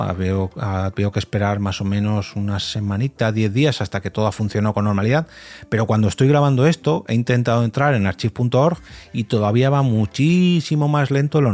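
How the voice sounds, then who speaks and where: A man's voice: medium pitch, darkish tone. A man from hosting a solo podcast in an informal, conversational, somewhat hesitant way that repeats words. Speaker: podcast host.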